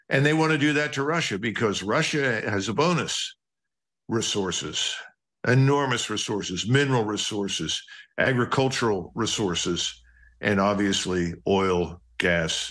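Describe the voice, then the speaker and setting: Emphatic low-voiced man giving political commentary. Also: fairly bright tone. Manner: emphatic, builds points in repeated lists.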